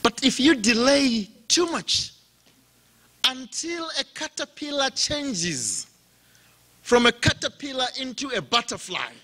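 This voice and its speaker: A man from Zimbabwe preaching a sermon in a slow, emphatic style, his voice rising and dropping for effect. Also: very high-pitched, big pitch swings, bright, forceful tone.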